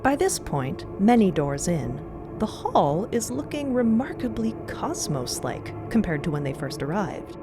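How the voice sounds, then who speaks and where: A woman's voice: medium pitch, big pitch swings, unhurried. A woman narrating a scripted drama podcast in a theatrical storytelling style. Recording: loud music under the voice. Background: music.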